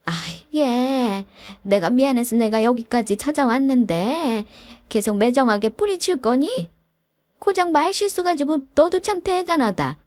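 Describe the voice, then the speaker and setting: A woman's voice: high voice, animated, unhurried, darkish tone, no echo, studio quality, voice pushed up. A woman voicing a scheming middle-aged future mother-in-law who wheedles and wails in a story reading. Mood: wheedling. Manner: wheedling, then wailing. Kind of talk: storybook voice acting.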